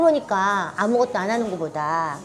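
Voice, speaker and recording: Music plays in the background as a woman talks at a moderate pace. Her tone is animated, with very wide pitch swings. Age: 50s. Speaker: real estate investment instructor. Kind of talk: casual talk to followers during a property tour.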